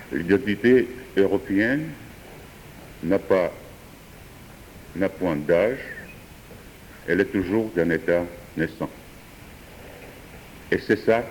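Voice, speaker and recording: A man, a French speaker, improvising a philosophical talk with hesitant pauses and fillers. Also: deep voice, darkish tone, a little hiss or hum. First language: Georgian. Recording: distant voice in a reverberant hall.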